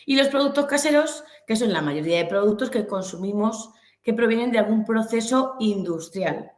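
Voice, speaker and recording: A woman's voice: a little high, animated, normal speed, a little mellow. A woman from Spain with a Castilian accent giving an informal online lecture, explaining hesitantly and searching for words. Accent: Castilian Spanish. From Albacete, Castilla-La Mancha, Spain. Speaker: webinar presenter, business instructor. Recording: echoey room sound.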